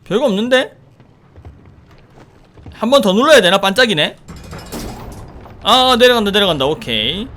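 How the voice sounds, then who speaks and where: A man giving joking let's-play commentary on a horror game, animated and easily startled, shouting in surprise. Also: high voice, moderate pace, long pauses, slight background noise. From South Korea. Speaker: gaming streamer.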